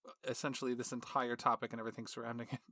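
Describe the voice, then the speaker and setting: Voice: mid-range voice, level tone, very fast, bright, forceful tone, no echo, clean studio sound. A podcast co-host with a Southern accent, joking and apologizing in casual chat. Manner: joking, apologetic, self-deprecating.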